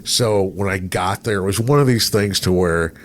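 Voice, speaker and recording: A mature man from East Texas with a fairly low voice reminisces as a radio guest. His storytelling is casual and halting, trailing off and then acting out what people said. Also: slight background noise. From East Texas, USA. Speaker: radio personality, podcast guest.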